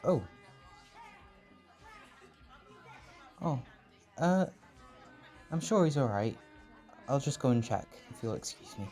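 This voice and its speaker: A man playing a gentle, doting caretaker in a roleplay comfort audio, speaking tenderly and reassuringly with pet names. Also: medium pitch, lively intonation, unhurried. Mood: concerned. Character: gentle, doting male caretaker soothing an overwhelmed partner. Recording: music and party chatter behind.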